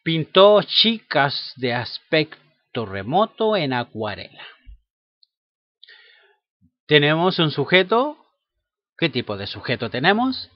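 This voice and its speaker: A man teaching a grammar lesson in a slow, halting way, with many fillers and tag questions. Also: on the high side, no room sound. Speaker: language teacher. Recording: dull lo-fi sound.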